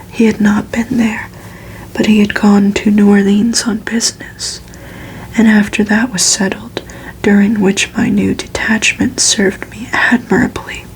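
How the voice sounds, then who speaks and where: A woman reading a story aloud in a hushed, unhurried, soothing ASMR whisper, as if for relaxation. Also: mid-range voice, rough recording. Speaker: ASMR reader.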